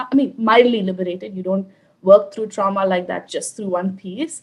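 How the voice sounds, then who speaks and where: A woman's somewhat breathy voice moves fairly quickly, its intonation staying fairly even. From India. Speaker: spoken word poet and university director. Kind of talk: conversational interview.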